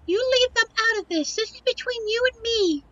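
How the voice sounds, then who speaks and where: A woman's voice: very high-pitched, normal speed, bright, forceful tone. A woman playing a sweet but defiant young succubus daughter in a scripted audio roleplay, earnest and pleading, on a muffled recording. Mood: confrontational.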